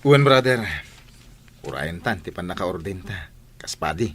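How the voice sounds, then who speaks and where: An actor with an Ilocano Filipino accent playing a friendly, hopeful young seminarian in a radio drama, with some background noise. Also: male voice, low-pitched, expressive, normal speed, breathy edge. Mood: cheerful.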